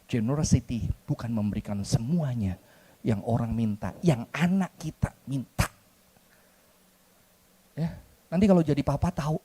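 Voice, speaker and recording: A man preaching a sermon in a church with a Jakarta accent, an animated, joking storyteller who mixes in slang and English words. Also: mid-range voice, slightly rough. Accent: Jakarta Indonesian.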